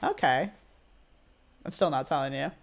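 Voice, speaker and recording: Podcast co-host, trans man early on testosterone, high voice just beginning to drop, easygoing and laugh-prone. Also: animated, moderate pace, creaky. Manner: upbeat, laughs often. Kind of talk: casual chat.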